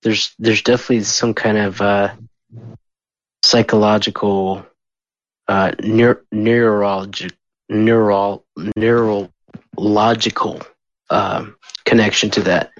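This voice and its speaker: A man interviewing a guest in a casual way, halting and tripping over his words. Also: lowish voice, level tone, no echo, highs cut off.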